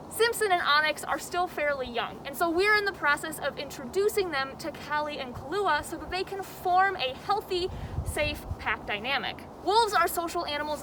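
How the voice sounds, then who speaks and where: A high-pitched woman hosts story time as a zoo educator, expressive and dramatic in her delivery. Clear outdoor noise, with some vehicle rumble, sits behind her voice. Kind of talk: animated children's storybook reading and educational talk.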